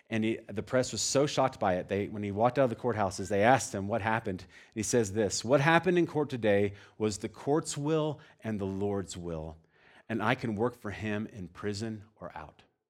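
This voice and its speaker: In a normal speaking voice, a man talks with an American accent at a fairly low pitch and a fairly quick pace. His intonation is lively, his loudness swings widely, and the recording is very clean with a silent background. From Texas. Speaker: pastor. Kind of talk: sermon. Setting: church.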